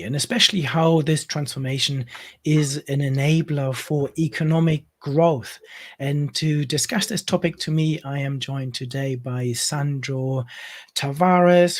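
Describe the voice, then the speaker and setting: A man hosting a live conversational interview, speaking in a somewhat halting way with repeated words. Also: medium pitch. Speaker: interview host.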